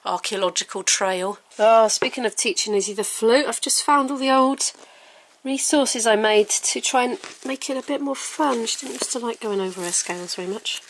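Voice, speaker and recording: A woman's voice: a little high, moderate pace, a little hiss or hum, rough recording. A middle-aged woman vlogging at home, chatting casually and wryly about her own bits and pieces as she sorts through them. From living in Wales. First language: English. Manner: chatty, self-mocking, breaks into little sung notes. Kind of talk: casual vlog chat while decluttering.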